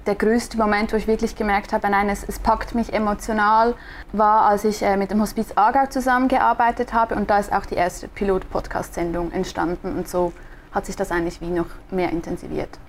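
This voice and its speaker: A woman's voice: mid-range voice, little pitch movement, a little fast, slight background noise. A young woman from Switzerland with a Swiss German accent, a designer answering interview questions thoughtfully, often restarting as she searches for words. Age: young adult. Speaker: guest, designer and podcaster.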